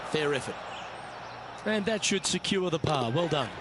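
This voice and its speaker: A man playing a composed television golf commentator in a video game, making measured, brief remarks between shots. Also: on the high side, lively intonation, noisy background, natural voice.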